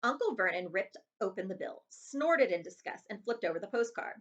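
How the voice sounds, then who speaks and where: A woman librarian reading a children's novel aloud in an expressive storytelling style. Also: mid-range voice, moderate pace, dull audio.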